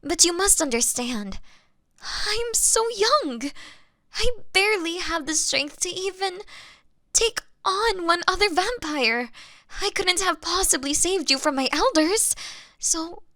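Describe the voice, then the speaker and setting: A woman playing a gentle young female vampire in an audio roleplay, apologetic and halting, with a breathy voice that often drops to a whisper. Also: extremely high pitch, animated, no room sound, studio quality, exaggerated voice. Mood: pleading. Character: gentle young female vampire, remorseful, fighting her bloodlust. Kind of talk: scripted dramatic audio roleplay monologue.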